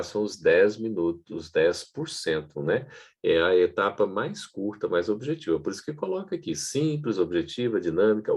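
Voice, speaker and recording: A man giving an online training lecture on public speaking to camera, in a lively teaching tone with frequent checking asides. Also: sits low, slightly rough.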